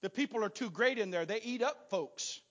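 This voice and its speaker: A man preaching a sermon, swinging from quiet asides to loud, shouted exhortation. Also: sits high, lively intonation, moderate pace. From not from Texas.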